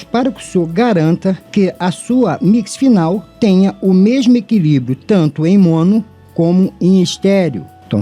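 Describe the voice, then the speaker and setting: A man's voice: sits high, mellow, husky. A middle-aged Brazilian man with a tongue-tied lisp and slushy sh for s, teaching an audio lesson in a didactic way with rhetorical questions. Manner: didactic, addresses listeners formally, asks himself questions. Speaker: audio tutorial host. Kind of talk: informal scripted-free audio lesson. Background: background music.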